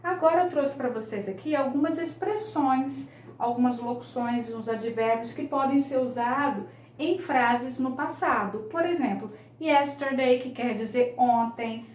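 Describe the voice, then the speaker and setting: A woman's voice: high-pitched, unhurried, darkish tone, reverberant, slight background noise. A woman, teaching English grammar in an online lesson, patiently repeating each key point.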